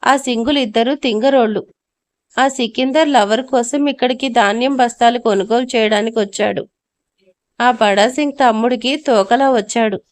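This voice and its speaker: A woman's voice: fairly high pitch, moderate pace, close to an everyday voice. Woman doing a timid pleading villager. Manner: pleading, anxious.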